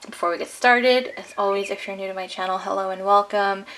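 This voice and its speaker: A woman's voice: medium pitch, steady tone, a little fast, a bit bright. A woman giving a casual tarot card reading to camera, chatty and encouraging, laughing often, her voice a little worn. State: losing her voice. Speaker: tarot reader.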